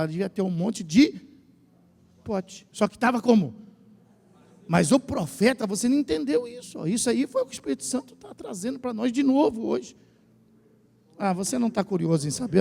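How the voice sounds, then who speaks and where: A Brazilian man with a São Paulo accent preaching a lively sermon as pastor, drawing the congregation into call and response. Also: extremely high pitch, gravelly. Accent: Brazilian Portuguese, São Paulo state. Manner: animated preaching, asks the congregation to repeat phrases. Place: church hall. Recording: church hall with long reverb.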